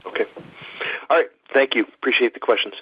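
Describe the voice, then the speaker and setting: A man asking questions as an analyst on an earnings call, halting and rephrasing as he goes. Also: mid-range voice, a little hiss or hum. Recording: dull, dry phone-call audio.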